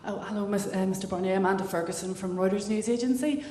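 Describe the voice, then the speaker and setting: A woman's voice: fast, warm tone. A woman journalist asking a formal, direct question from the audience. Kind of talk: question from the floor. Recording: echoey hall, faint rumble.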